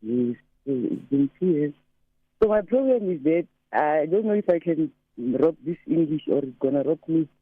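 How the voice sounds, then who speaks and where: Woman caller in her thirties, deep voice, English mixed with Zulu, phone-line sound. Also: lively intonation, moderate pace, slightly rough, dry recording. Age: 30s. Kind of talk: phone-in call to a radio show. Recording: tinny phone line, dry.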